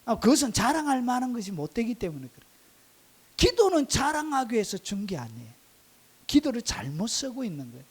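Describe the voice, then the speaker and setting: A man's voice: very high voice, wildly swooping pitch, fairly quick. A male pastor preaching a sermon, asking the congregation questions and acting out voices and sounds to make his points. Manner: mimics voices and frog croaks for effect.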